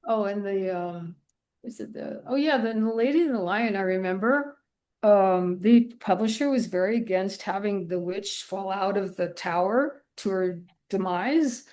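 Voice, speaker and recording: A woman's voice: mid-range voice, measured pace, darkish tone. A woman speaking as a podcast guest in a casual interview, in loose, informal phrases dotted with "you know". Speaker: podcast guest, illustrator and art professor.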